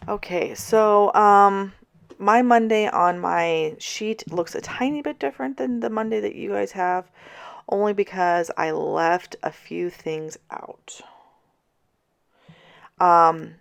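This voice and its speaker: A woman in her thirties chatting casually in a vlog, tired, her voice scratchy and hoarse, going out as she talks. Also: lowish voice. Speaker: vlogger. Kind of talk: casual planner vlog chat.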